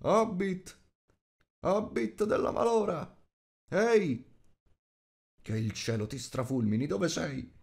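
A man voicing an exasperated storybook dwarf, calling out loudly and cursing. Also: high voice, slow pace, creaky, pauses often, voice pushed up, full character voice. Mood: exasperated, shouting. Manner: loud, cursing calls. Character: exasperated band of male dwarves shouting angrily.

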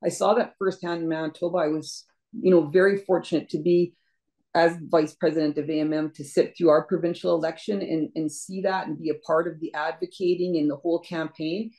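A woman's voice: sits low, steady tone, a little fast, warm tone, rough recording. A middle-aged woman, a deputy mayor running for office, answering earnestly over a video call from her home, often repeating words. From Canada. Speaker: deputy mayor, election candidate. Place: home room indoors. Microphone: laptop webcam on video call.

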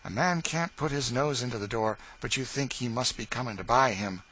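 A man voicing a brisk, kindly lady of the house in an audiobook, gently scolding and reassuring. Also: mid-range voice, breathy edge, poor audio. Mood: chiding reassuring.

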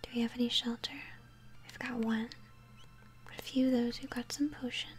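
A young woman whispers her way through a video game in a soft, breathy ASMR style. Her voice sits a little high and is gentle and chatty, close to the mic. Faint music plays behind her. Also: level tone. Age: young adult. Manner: gentle, chatty, unhurried narration of play. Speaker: game streamer, host. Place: small home room, indoors.

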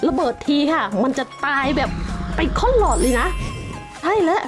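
A young adult woman giving playful, excitable commentary on a Minecraft game as its host, chatting to the dragon she fights. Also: sits high, normal speed, music in the background. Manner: excitable, playful, talks to the dragon, frequent laughs and exclamations. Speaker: Minecraft let's-play host. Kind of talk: casual gameplay commentary.

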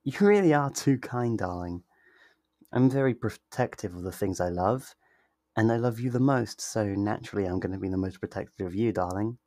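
A man's voice: fairly low pitch, darkish tone, no room sound, clean studio sound, close to an everyday voice. A man playing a sweet, possessive yandere lover in an intimate ASMR roleplay, tender and reassuring. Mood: protective, concerned. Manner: tender, reassuring, slow and deliberate.

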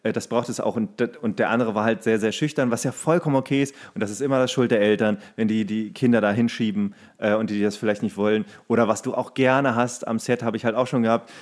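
A man's voice: on the low side, steady tone, fast talker, few pauses, darkish tone. Man chatting casually, acting out his anecdotes. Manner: colloquial, re-enacts dialogue in his stories. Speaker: podcast co-host and actor. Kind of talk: casual anecdotal podcast chat.

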